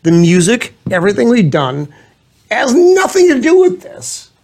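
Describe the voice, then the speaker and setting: A man's voice: very high-pitched, wildly swooping pitch, moderate pace, gravelly, darkish tone. A man with a New England accent, co-hosting a casual chat and cracking sarcastic jokes. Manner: sarcastic, jokey, puts on voices. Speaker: co-host. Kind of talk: casual chat over drinks.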